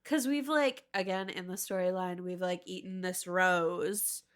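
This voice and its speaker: A woman's voice: on the low side, steady tone, a little slow. A woman co-hosting a podcast, chatting casually in a playful, slangy and eager way. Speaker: podcast co-host. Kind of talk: casual banter.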